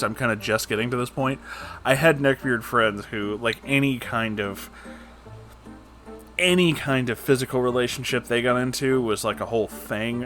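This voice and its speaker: A man's voice: medium pitch, fairly bright tone. Casual rambling man over background music. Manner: informal, rambling, sweary, joking asides. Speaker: host reading and reacting to stories. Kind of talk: casual rambling commentary to viewers.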